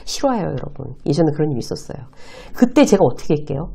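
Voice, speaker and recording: A middle-aged woman gives a lively video lecture on workplace communication, speaking straight to her viewers and acting out the lines she quotes. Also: low voice, racing, vocal fry, slightly rough. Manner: animated, addresses viewers directly and acts out quoted lines.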